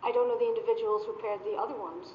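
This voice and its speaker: A board member, a woman, answers a resident at a public meeting, defensive and quick to push back. Her voice carries through a roomy hall with long reverb, sounding muffled with faint background noise. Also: on the high side, fairly even intonation. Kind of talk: meeting exchange. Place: town hall meeting room.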